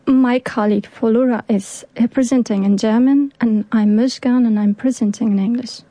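A woman co-presenting a community radio show, reading a script in an even, careful way. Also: on the high side, moderate pace, no echo. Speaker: radio host. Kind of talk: scripted radio narration, translating.

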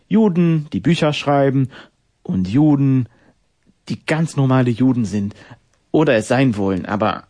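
A man's voice: medium pitch, dark tone. Israeli-born man in his twenties, hosting. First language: Hebrew. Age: 20s. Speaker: radio show host. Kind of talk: scripted narration and interview.

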